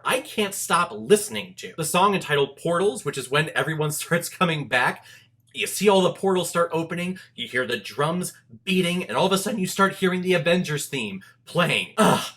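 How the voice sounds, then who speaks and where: A male movie reviewer speaks in a fairly high, bright voice with a sharp edge. His pitch swings widely as he gushes with enthusiasm. He leans hard on key words and pauses dramatically for effect. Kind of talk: enthusiastic video review commentary to camera.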